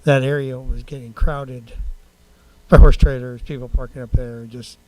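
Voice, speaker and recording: A man speaking as a council member in a public meeting, plain-spoken and rambling, with halting phrasing. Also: medium pitch, flat delivery, dark tone, poor audio.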